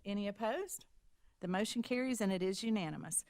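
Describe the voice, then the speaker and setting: A woman chairing a school board meeting, brisk and procedural, reading motions and calling votes. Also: medium pitch, darkish tone, dry recording.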